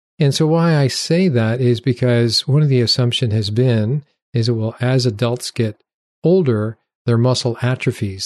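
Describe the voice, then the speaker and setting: With a normal speaking voice of medium pitch, a man talks at a fairly slow pace with ordinary pitch variation, recorded dry and close with no echo against a quiet background. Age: 60s. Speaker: podcast host, naturopathic doctor. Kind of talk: solo podcast monologue. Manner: casual, conversational.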